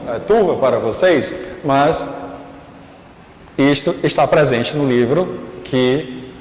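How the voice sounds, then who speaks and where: A man's voice: a little high, darkish tone. A male teacher giving a recorded class, explaining patiently and often checking in with his students. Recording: echoey room with long reverb.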